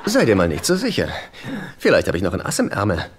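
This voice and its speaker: A sardonic, self-pitying middle-aged freeloader in a sitcom dub. His pitch jumps around in a lively way, over faint background noise. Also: fast. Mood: needling. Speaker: dubbing actor. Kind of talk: dubbed sitcom dialogue.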